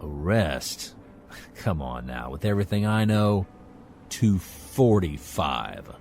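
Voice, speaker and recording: An actor playing a smug criminal informant in an audio drama, taunting and at ease. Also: male voice, sits low, big pitch swings, slow, gravelly, darkish tone, a little hiss or hum, full character voice. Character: smug, unhurried male criminal informant squeezing for money.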